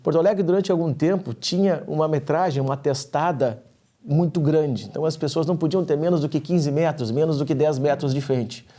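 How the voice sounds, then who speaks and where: A man, a lawyer guest, explaining property registration in a measured way on a studio talk show. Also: fairly high pitch, mellow. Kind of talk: explanatory interview answer.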